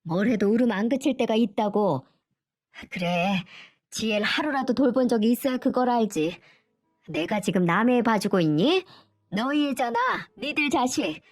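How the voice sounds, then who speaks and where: A woman voicing an older mother and grandmother who scolds her son in a sharp, indignant tone. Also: on the high side, animated, normal speed, no echo, studio quality, faint music behind. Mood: scolding.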